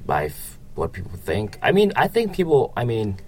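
A young man from Vietnam, a native Vietnamese speaker with a Vietnamese accent, answering casually in a halting, rambling way with lots of filler phrases. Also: mid-range voice, huge pitch swings, slightly rough. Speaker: interviewee.

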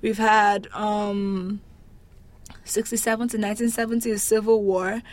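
Casting: woman, mid-range voice, relaxed conversational interviewee with dry humour. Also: mid-range voice, unhurried. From Nigeria. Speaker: interviewee describing her home country.

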